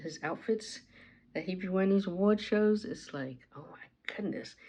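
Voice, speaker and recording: Mumbling at a moderate pace, a woman speaks at medium pitch with a dark, mellow tone. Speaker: beauty vlogger. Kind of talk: casual chat.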